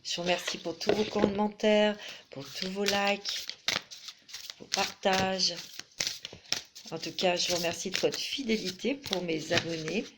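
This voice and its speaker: A woman's voice: mid-range voice, fairly even intonation, measured pace, long pauses, very noisy. A middle-aged woman giving a chatty tarot reading to camera, full of fillers and restarts. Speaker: tarot reader.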